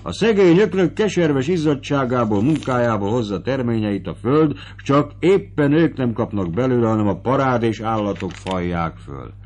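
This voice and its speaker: A man's voice: mid-range voice, animated, hardly any pauses, darkish tone, slight background noise, natural voice. A man voicing an outspoken, meddling young man who lectures earnestly.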